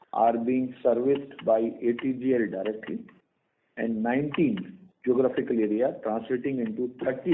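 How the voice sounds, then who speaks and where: A man's voice: medium pitch, slight background noise. Indian-accented male executive on a tinny phone line. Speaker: company executive. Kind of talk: prepared earnings call presentation. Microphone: phone or conference call line. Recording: tinny phone-line conference call audio.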